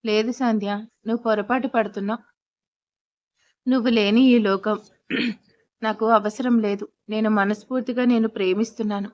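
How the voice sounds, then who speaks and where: A woman's voice: on the high side, steady tone, normal speed, pauses often, a little mellow, natural voice. A woman voicing a desperate young man pleading. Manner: pleading, urgent. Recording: dull, dry recording.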